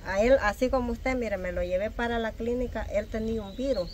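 A woman's voice: fairly high pitch, brisk, a little mellow, a little hiss or hum. A woman recounting her hardships as a mother in a heartfelt, conversational way. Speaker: guest. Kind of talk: casual conversation.

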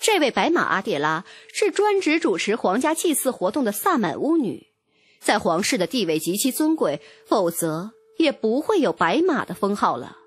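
A woman's voice: medium pitch, very animated, normal speed, slightly rough. A woman narrating a novel in a dramatic, scripted first-person storytelling style. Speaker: audiobook narrator.

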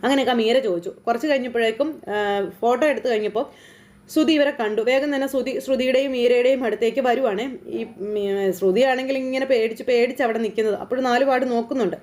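A woman's voice: on the high side, quick pace, darkish tone. A woman casually retelling the plot of a TV serial in a chatty way. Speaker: serial recap narrator. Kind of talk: casual story recap.

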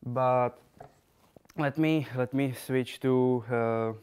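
Young Czech man giving a halting talk. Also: mid-range voice, steady tone, a little mellow, clean tone. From Czech Republic. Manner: halting, many fillers and restarts. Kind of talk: conference talk with slides. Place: lecture room, indoors.

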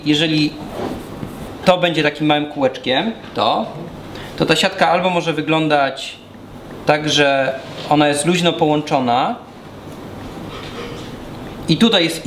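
A man's voice: a little high, a bit bright. Man explaining at a whiteboard, echoey room. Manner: explains step by step while drawing, many restarts. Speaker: guest speaker. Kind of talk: talk at a whiteboard. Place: small room with brick walls. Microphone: far camera. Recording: echoey room from far off, noisy.

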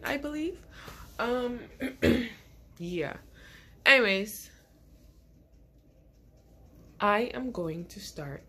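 A woman's voice: fairly low pitch, fairly bright tone, slight background noise. A woman in her thirties vlogging casually to camera in a small bedroom, rambling and chatty, with a stuffy head cold. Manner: chatty, rambling, laughs often. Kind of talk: casual vlog chat to camera.

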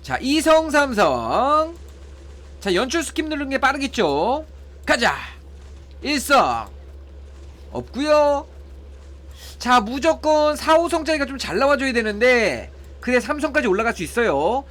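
A man's voice: very high-pitched, sing-song, unhurried, pauses often, fairly bright tone. A man giving casual play-by-play of his mobile game pulls, counting results and pleading for good draws. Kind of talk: casual gameplay commentary.

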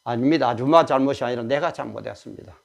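Guy doing a sorry middle-aged neighbor man, low and humble, gravelly. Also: fast talker, lightly acted. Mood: apologetic. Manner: humble, apologetic.

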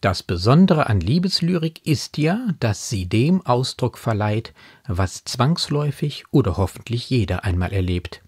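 A man who reads a poem slowly and expressively, then explains it in a brisk, lecturing way. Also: medium pitch, slightly rough, no echo, clean studio sound. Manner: slow, expressive recitation alternating with brisk explanation. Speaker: poetry explainer.

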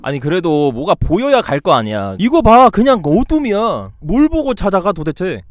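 High, jumpy male game streamer. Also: wildly swooping pitch, normal speed, dry recording. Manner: jumpy, yelps when startled, talks to himself and chat; taunts the game's ghosts jokingly. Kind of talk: live horror game stream commentary.

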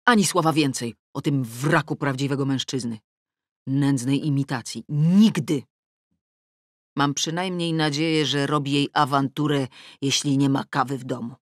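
A middle-aged woman reading a first-person novel aloud, wry and ironic, with sudden rises in pitch on the punchlines. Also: no echo, studio quality. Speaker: audiobook narrator. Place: dry recording booth. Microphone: close studio mic.

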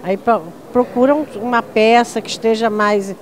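Relaxed woman chatting on the street. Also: on the high side, normal speed, a little hiss or hum, poor audio. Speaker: theatergoer. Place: city street at night. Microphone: reporter's handheld mic.

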